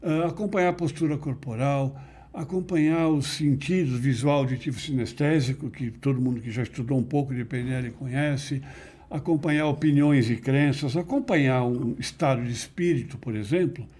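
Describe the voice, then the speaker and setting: A middle-aged man being interviewed, explaining ideas in a measured, didactic way with emphatic stresses. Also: medium pitch, a little mellow. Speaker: interview guest, NLP teacher. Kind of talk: conversational explanation.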